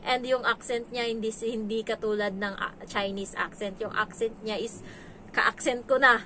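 A woman from the Philippines chats through stories from her work as a domestic helper, acting out what others said along the way. Her voice sits a little high, with a faint hum of noise behind it. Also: fairly even intonation, normal speed, pushed and bright. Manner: chatty, acts out quoted dialogue. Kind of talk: casual storytelling vlog.

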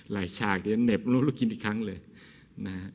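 Soft-voiced Thai monk in a reverberant hall. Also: male voice, lowish voice, normal speed, slightly rough. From Thailand. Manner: gentle, conversational, asks rhetorical questions; frequent soft laughs. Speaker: Buddhist monk. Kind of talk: dhamma talk.

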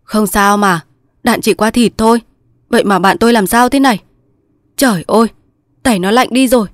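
A woman's voice: fairly high pitch, a little fast, dry recording, clean studio sound, voice pushed up, lightly acted. Woman voicing a frantic young soldier. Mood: grieving. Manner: pleading, sobbing outbursts. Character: young male resistance soldier, anguished and frantic. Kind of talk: storybook reading.

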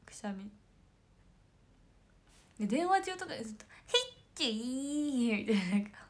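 A woman's voice: a little high, very animated, fairly quick, darkish tone. A young woman idol chatting casually on a livestream, reading comments and laughing often. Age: young adult. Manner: giggly, playful, imitates friends' sneezes. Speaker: idol streamer.

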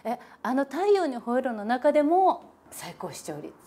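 抑揚豊かな少し高めの声の女性司会者. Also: female voice, high voice, sing-song. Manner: bright reactions, quick follow-up questions. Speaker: host. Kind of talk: TV-style interview hosting. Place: guest's home, indoors.

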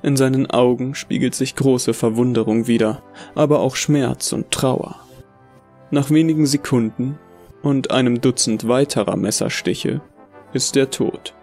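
A man's voice: medium pitch, measured pace, a little mellow. A man narrating a horror audio drama as a bitter, delusional Santa, brooding and contemptuous. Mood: brooding, cold. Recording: music behind the voice.

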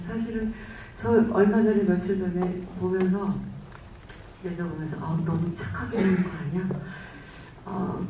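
A middle-aged woman speaks into a handheld mic on a hall stage, her voice mellow and low in brightness. She talks chattily and acts out her own earlier remarks. The sound is booming and roomy, picked up from a distance. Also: slight background noise. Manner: chatty, quotes herself in lively asides. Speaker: actress at a press conference. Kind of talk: press conference answers. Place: large event hall stage, seated.

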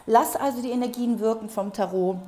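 A woman with a hoarse voice after a cold gives a tarot reading. She speaks straight to the viewer in a coaxing way and repeats herself often. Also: fairly high pitch, brisk, dark tone. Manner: repetitive, coaxing, addresses viewer directly. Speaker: tarot reader. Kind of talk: interactive tarot reading to camera. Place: room at a table with candles.

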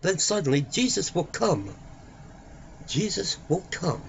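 A man reads religious text aloud in the manner of a preacher. His voice is somewhat high and gravelly, and it rises and falls dramatically. He phrases solemnly and deliberately, leaning hard on words and pausing for emphasis. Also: very animated, slight background noise. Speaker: preacher reading a written prophecy aloud.

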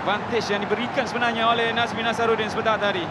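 A man calling a football match, excitable and dramatic, building to shouts at big chances. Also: extremely high pitch, rapid-fire. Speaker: play-by-play commentator. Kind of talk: football commentary. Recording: broadcast with loud stadium crowd. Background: loud crowd noise.

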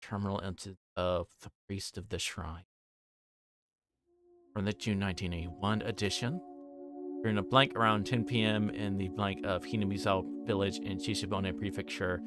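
A man with a fairly low voice streams a story game. He reads aloud and chats informally, thinking as he goes, with faint music behind him. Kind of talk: livestream read-aloud and casual commentary on a visual novel.

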